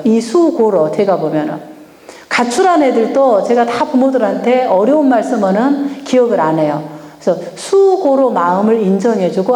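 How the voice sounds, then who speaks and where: A woman's voice: a little high, warm tone. A middle-aged woman giving a lecture on family communication, questioning the audience and acting out sample lines. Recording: echoey hall with long reverb.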